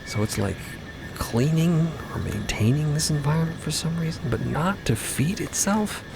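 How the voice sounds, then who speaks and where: A man's voice: fairly high pitch, lively intonation, normal speed, gravelly, background noise. A man acting in an audio drama with an earnest, thoughtful delivery.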